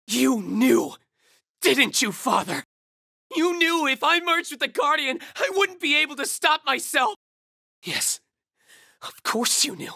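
An actor playing a reckless, thrill-seeking young man in a video game, emotional and sardonic, with a husky voice. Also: extremely high pitch, sing-song, a little slow, pauses often, pushed and bright, dry recording, clean studio sound, full character voice. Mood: bitter, accusing. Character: reckless thrill-seeking young man, betrayed creation pleading with his father. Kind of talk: dramatic video game voice acting.

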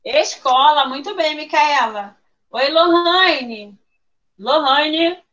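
High-voiced woman coaxing young pupils. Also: expressive, drawn-out words, fairly bright tone. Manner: coaxing, prompting pupils by name. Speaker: first-grade teacher. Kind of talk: online class with young children. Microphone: video call. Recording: dull lo-fi video call audio.

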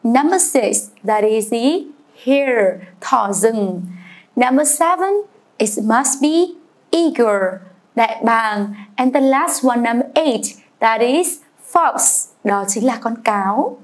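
A woman's voice: on the high side, animated, slow. A young woman with a Vietnamese accent teaching English vocabulary, saying each word twice and then explaining it. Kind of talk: bilingual vocabulary lesson.

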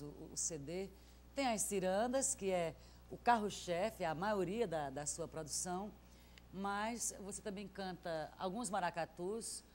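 A woman's voice: fairly low pitch, darkish tone, slight background noise. A middle-aged woman, interviewing conversationally on stage and reading out questions. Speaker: interviewer, journalist. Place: stage before a seated audience. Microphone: lapel microphone.

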